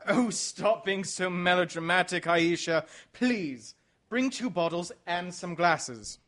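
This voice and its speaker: A man playing a debonair, sly gentleman exile in a radio mystery, speaking suavely and theatrically. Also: high-pitched, animated, slow, heavily acted. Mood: smooth, insistent. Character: debonair, sly English gentleman exile, Foreign Legion deserter. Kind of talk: radio mystery drama acting.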